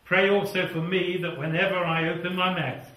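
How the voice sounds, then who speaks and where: Older british guy preaching, earnest and fervent, highish voice, really echoey hall, a bit far off. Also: level tone, normal speed. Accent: British English. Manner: earnest, fervent, drops voice to a hush at phrase ends. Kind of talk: sermon with scripture reading. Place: small church hall with seated congregation. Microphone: lapel mic.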